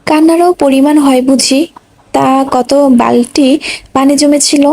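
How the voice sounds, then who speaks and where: A stern young man who scolds firmly yet cares deeply, as a woman reads him aloud in a storybook. The voice sits high and mellow. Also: steady tone, slow, low-quality recording. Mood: teasing. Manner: scolding, firm. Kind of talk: audiobook reading.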